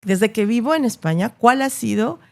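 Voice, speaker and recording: A slightly high, gravelly, somewhat mellow female voice speaks expressively at normal speed. She is a journalist with a Latin American Spanish accent, sharing her views in an interview with articulate emphasis, repetition and rhetorical tags.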